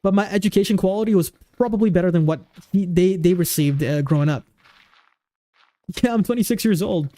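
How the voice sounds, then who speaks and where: A man's voice: high-pitched, brisk, warm tone. A man in his twenties chatting casually on a livestream, rambling with lots of fillers and restarts, goofy and easygoing. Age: 20s.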